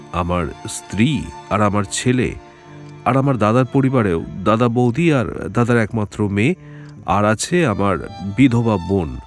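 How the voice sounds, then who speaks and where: A man playing a worried jeweller. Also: on the low side. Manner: hesitant, worried, explaining at length. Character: anxious middle-aged male jeweller fearing murder. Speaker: client. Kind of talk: Bengali audio drama acting.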